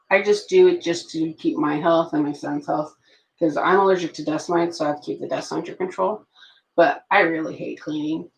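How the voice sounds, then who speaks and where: A woman in her late thirties rambles through a relaxed chat with her viewers, answering their comments as she journals. Her voice sits low and carries a gravelly fry. The room around her is echoey. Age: late 30s. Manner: chatty, reacts to viewer comments. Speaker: planner vlogger. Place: at home.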